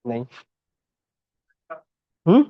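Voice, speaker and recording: A man teaching a programming class, questioning students and repeating points slowly. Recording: dull lo-fi sound.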